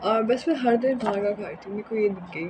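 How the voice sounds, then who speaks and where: A young woman with a hoarse, sore throat chats casually and unscripted in a rambling home vlog, mixing in English words. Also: medium pitch, brisk, noisy background. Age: young adult. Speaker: vlogger. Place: indoors in a room at home.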